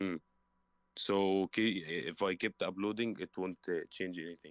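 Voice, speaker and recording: With an Arabic accent, a man speaks at a moderate pace in a very deep, low pitch and a monotone, flat intonation. The sound is dry and close, with no echo. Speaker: caller in live Q&A stream. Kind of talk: casual chat. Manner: halting, many fillers.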